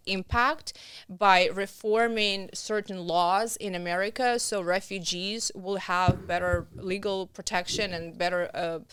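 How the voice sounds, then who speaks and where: A woman in her thirties with a Russian accent, talking earnestly and haltingly as a podcast guest. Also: medium pitch, a bit bright, smooth, no echo, clean studio sound. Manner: earnest, halting, with restarts and non-native grammar. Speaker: podcast guest, nonprofit founder. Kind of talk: conversational interview.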